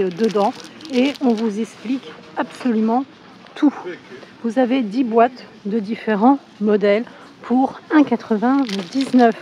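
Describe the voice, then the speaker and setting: A woman with a hoarse voice from a cold, chatting casually as she shows products in a supermarket on a handheld phone. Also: fairly high pitch, dark tone, slight background noise, low-quality recording. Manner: chatty, with frequent fillers. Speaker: shopping vlogger. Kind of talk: casual store walkthrough. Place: inside a supermarket.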